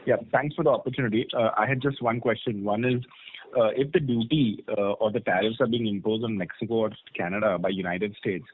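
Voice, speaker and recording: A man's voice: fairly low pitch, fairly even intonation, a little fast. A man, an analyst asking a question on an earnings call. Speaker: financial analyst. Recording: phone line with faint background noise.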